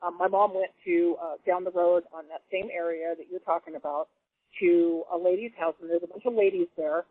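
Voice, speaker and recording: Animated woman storyteller on a phone line. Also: lowish voice, brisk, no echo. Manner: animated storyteller, laughs often. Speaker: guest telling encounter stories. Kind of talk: casual radio chat. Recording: dry phone-line call audio.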